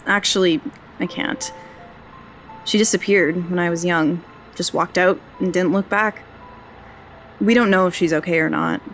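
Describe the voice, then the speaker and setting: Young female amateur investigator, lowish pitch, earnest, wry, natural audio drama delivery. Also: fairly even intonation, measured pace, pauses often, soft background music, low-quality recording. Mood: subdued, earnest. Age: young adult. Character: young journalism graduate investigating her missing aunt, earnest, wry.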